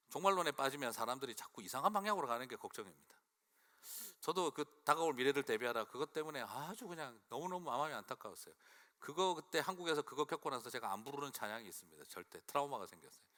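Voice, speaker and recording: Animated male pastor in a reverberant sanctuary. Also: fairly high pitch. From Busan, South Korea. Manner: animated preaching with rhetorical questions and slow scripture reading. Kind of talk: sermon. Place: church sanctuary. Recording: long church hall reverb.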